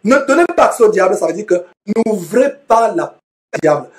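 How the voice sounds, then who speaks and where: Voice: medium pitch, lively intonation, brisk. A preacher teaching verse by verse from the Bible, reading each passage aloud and then explaining it with repetition and frequent self-corrections.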